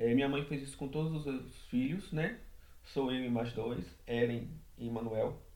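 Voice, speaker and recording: Over audible room echo, a man speaks at a fairly slow pace, medium in pitch with ordinary pitch variation. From Recôncavo, Bahia, Brazil. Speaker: medical student and activist. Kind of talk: interview. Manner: halting, many fillers.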